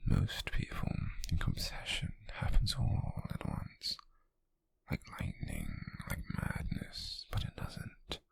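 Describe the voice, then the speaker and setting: A British man playing an obsessive, menacing stalker in an ASMR roleplay, whispering in a teasing, possessively tender way with a breathy, gravelly voice. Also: no echo, close to an everyday voice. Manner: slow, lingering, teasing and menacing. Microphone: very close, dry microphone.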